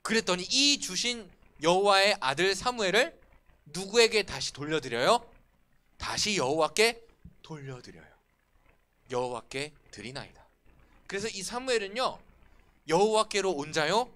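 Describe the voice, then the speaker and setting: A man preaching to a church youth group, animated and often asking the students questions. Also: sits high, normal speed. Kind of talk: sermon. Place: church worship room.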